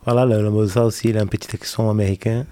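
A man with a slight foreign accent, guesting in a radio studio as a trumpeter. His voice sits low and mellow, and he often restarts words as he searches for them. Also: little pitch movement, very fast. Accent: slight foreign accent in French. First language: not French.

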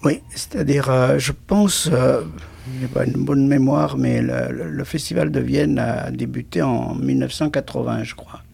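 An older man, president of a jazz club, talking slowly and hesitantly as a guest in a radio studio. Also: mid-range voice, creaky, darkish tone, husky. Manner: slow, reminiscing, hesitant.

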